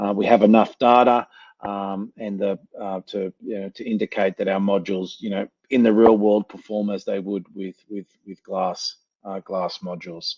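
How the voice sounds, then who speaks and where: Speaking at a moderate pace with an Australian accent, a man uses a fairly low pitch and monotone, flat intonation, with big swings in loudness. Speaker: solar company representative. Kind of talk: webinar Q&A answer. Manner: halting, many fillers and repetitions.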